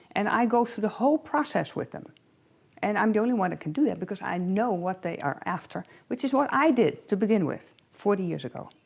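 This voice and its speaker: The intonation is lively. It comes with a Dutch accent. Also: woman, fairly high pitch for a woman, fairly quick pace. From Netherlands. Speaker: real estate broker. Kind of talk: interview.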